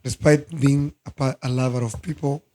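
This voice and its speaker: A hoarse man in his thirties, a guest minister speaking earnestly in a studio talk show interview. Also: medium pitch, little pitch movement, warm tone, slight background noise. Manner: slow, earnest, preacherly.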